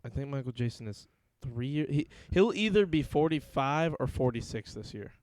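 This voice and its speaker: Young male podcast host, stuffy-nosed, smooth clear voice, dry close sound, casual teasing. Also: medium pitch, animated, normal speed, darkish tone, no room sound. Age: 20s. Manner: laughing, teasing. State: congested, coughing. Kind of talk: casual banter.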